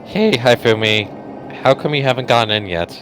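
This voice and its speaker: A man's voice: mid-range voice, moderate pace, music in the background, lightly acted, low-quality recording. A man voicing an earnest, mild, worried teenage boy in an amateur playthrough of a game. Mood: earnest, uneasy. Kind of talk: amateur voiced playthrough of a visual novel game. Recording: faint background noise.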